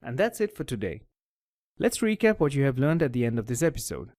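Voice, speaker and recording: Male tutor, scripted voice-over, lively intonation, methodical delivery, dry close mic. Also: medium pitch, brisk, dry recording. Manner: clear, methodical explaining. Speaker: language teacher.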